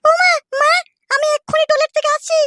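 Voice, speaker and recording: Extremely high voice, man acting a lovestruck young girl, quick, gushing, sly, comedy cartoon. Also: flat delivery, sharp tone. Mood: giddy, secretive. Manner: squeaky, gushing. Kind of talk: Bengali comedy cartoon dubbing. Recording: music behind the voice.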